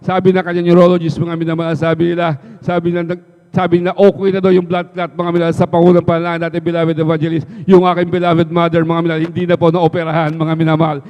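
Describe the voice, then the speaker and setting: Isang lalaking may puntong Pilipino na nagpapatotoo sa isang pagsamba, paulit-ulit na sinasabing "mga minamahal" sa bawat parirala, sa mahabang alingawngaw ng bulwagan ng simbahan na mapurol ang tunog. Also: male voice, fairly high pitch, monotone, fast, clear, resonant tone. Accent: Filipino. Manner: repeats "mga minamahal" after nearly every phrase. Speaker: church member giving testimony. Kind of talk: testimony in a church service. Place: church hall. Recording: reverberant, dull live stream audio.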